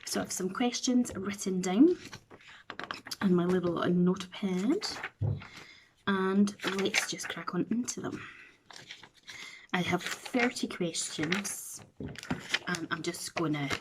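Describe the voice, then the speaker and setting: A woman's voice: on the low side, slow, pauses often, noisy background. A woman in her thirties with a Scottish accent, chatting casually and rambling to camera from her bedroom. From Scotland. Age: 30s. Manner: chatty, rambling, self-deprecating. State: runny nose. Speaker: beauty vlogger. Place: bedroom at home, indoors.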